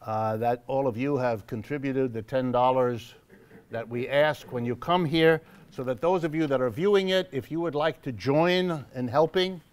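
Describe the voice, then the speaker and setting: A man hosting a live event in a church hall, making announcements to the audience in a measured, wry way with frequent pauses and fillers. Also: medium pitch, clear, resonant tone. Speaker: host of a monthly lecture event.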